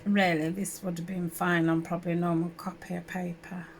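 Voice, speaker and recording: A sounding woman with a gravelly, slightly hoarse voice from a summer cold talks through a crafting project at her table. She rambles in a friendly, unpolished way, full of fillers and self-corrections, with a faint hiss under the home recording. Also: on the low side, flat delivery, a little fast. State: sore throat from a summer cold. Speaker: craft channel host. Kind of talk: casual crafting tutorial.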